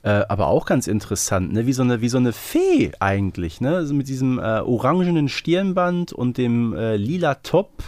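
Animated man chatting as podcast co-host. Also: medium pitch, normal speed, hardly any pauses, no echo. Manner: chatty, hesitant, seeks agreement with question tags. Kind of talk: casual discussion of a children's audio series.

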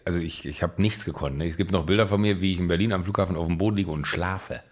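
A man in casual chat, an animated storyteller who acts out shouted quotes. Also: low-pitched, fast talker. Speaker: guest.

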